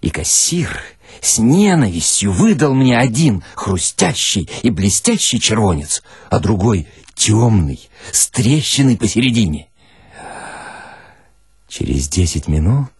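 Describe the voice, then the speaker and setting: A man narrating a story theatrically in the first person, expressive, with deliberate pauses. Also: lowish voice, husky, no echo, clean studio sound. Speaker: narrator and actor.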